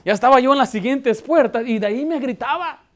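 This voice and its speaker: A man's voice: very high-pitched, fairly quick. A man preaching a Baptist sermon as pastor, telling stories and raising his voice to stress a point. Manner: preaching with anecdotes, voice rising for emphasis.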